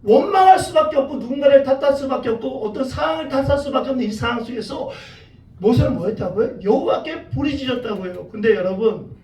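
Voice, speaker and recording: High, lively male preacher in an echoey church. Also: quick pace. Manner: impassioned preaching, rhetorical questions, acted-out prayers. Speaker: associate pastor. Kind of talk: sermon. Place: church sanctuary in Toronto. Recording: echoey church room, far from the mic, faint hiss.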